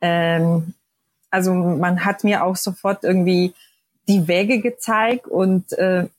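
A woman's voice: lowish voice, steady tone, takes it slowly, a little mellow, no room sound. A woman in her forties from Poland, whose native language is Polish, speaking with a Polish accent as a podcast guest and telling her story with frequent hesitations. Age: 40s. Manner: hesitant, many fillers. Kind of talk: personal interview.

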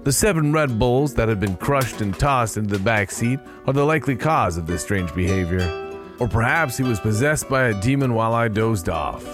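A man's voice: mid-range voice, animated, moderate pace, over music. A man narrating an audio drama in the first person with a dry, sardonic manner.

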